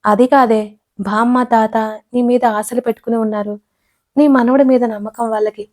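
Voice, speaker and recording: Timid young woman, hesitant and nervous, audio storybook voiced by a woman narrator, fairly high voice. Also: fairly even intonation, normal speed, darkish tone, lightly acted. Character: timid teasing young woman, sister-in-law.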